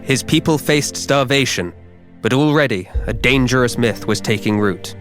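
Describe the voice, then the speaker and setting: A man reading scripted narration as a professional voiceover artist, measured and clearly articulated. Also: mid-range voice, fairly bright tone, soft background music. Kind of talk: scripted narration for audiobook, documentary and adverts.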